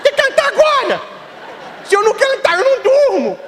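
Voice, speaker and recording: A man voicing a small, stubborn boy who shouts and whines, in a reverberant church hall. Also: wildly swooping pitch, normal speed, a crowd in the background, noisy background, exaggerated voice. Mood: whiny, insistent. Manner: shrill, whining, yelled.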